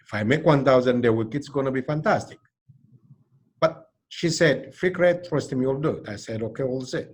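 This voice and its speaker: A man's voice: mid-range voice, normal speed, husky. A middle-aged man from Ethiopia with an Ethiopian accent, speaking earnestly and carefully about his work as an insurance agent in his second language. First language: Amharic or another Ethiopian language.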